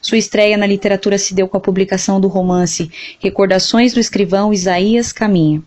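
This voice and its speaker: A woman's voice: medium pitch, steady tone, fairly quick, a little mellow. A woman with a Brazilian accent giving a prepared explanation as a literature teacher and interview guest. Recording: dull, lo-fi band-limited sound.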